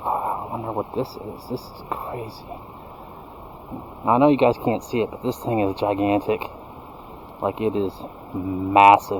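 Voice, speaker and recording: A man with a fairly low voice and fairly even intonation talks at a moderate pace, leaving long, frequent pauses over noticeable background noise. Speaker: travel vlogger. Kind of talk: casual vlog narration. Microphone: poor camera mic.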